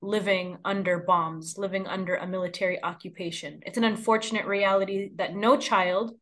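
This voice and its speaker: A woman's voice: medium pitch, steady tone, moderate pace, fairly bright tone. A woman in her thirties from the United States, a journalist giving a long, earnest interview answer over a video call from a room at home. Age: 30s. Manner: earnest, fluent, impassioned. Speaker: guest, journalist.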